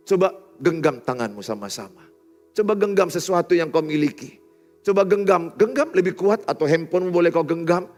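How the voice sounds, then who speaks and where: A man, preaching a sermon in a large church hall. He builds cadenced lists with loud emphasis, then drops into soft, intimate asides. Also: fairly high pitch. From Indonesia. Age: 50s. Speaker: pastor. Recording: long hall reverb with faint music.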